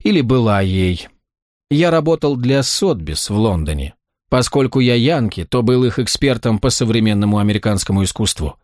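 A man's voice: on the low side, animated, normal speed, a little mellow, dry recording, studio quality, lightly acted. A man voicing a charming, self-assured American male art expert in an audiobook, amused and easy in manner.

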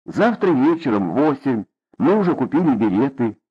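A man's voice: mid-range voice, very animated, moderate pace, husky. A man doing a curt stubborn young man. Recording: dull lo-fi audiobook recording.

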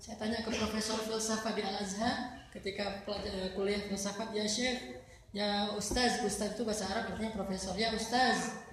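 A woman giving a sermon, telling a story and acting out its dialogue in an animated way. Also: medium pitch, normal speed. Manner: animated, acts out dialogue in her tale. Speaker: preacher. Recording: echoey hall with faint noise.

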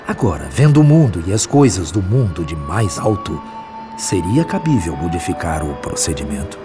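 Wise old-school spirit teacher in a brazilian radio drama, low voice, solemn and patient, music underneath. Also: male voice, sing-song. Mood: patient, instructive. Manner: measured, solemn, instructive delivery. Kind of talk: radio drama acting, didactic monologue.

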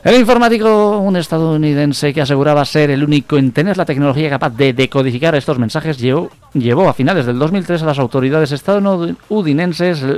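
A man's voice: on the high side, a little fast, a little mellow, clean tone. A man hosting a radio comedy show, reading odd news and telling jokes in a dry way. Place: radio studio.

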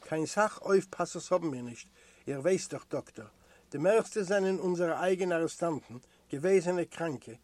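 A man's voice: on the high side, expressive, normal speed, a little mellow, dry recording, close to an everyday voice. A man voicing a male prison hospital overseer who talks in a grudging, complaining way, in an audiobook reading. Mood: explaining.

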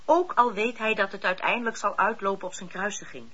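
An actress playing a shrewd, poised colonel's wife in a period radio drama, cultivated and pointed in speech. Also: female voice, mid-range voice, a little fast, bright, forceful tone, slightly rough. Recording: dull, muffled old radio recording.

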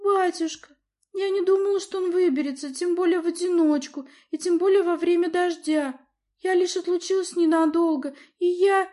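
A woman voicing a timid teenage lioness princess who pleads in a high, desperate voice. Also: steady tone, normal speed, mellow. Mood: pleading. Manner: pleading, breathless, high-strung.

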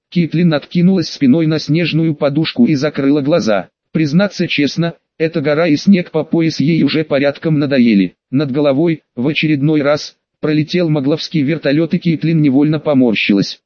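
A man narrating an audiobook story in a steady, scripted read. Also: on the high side, dry recording, highs cut off.

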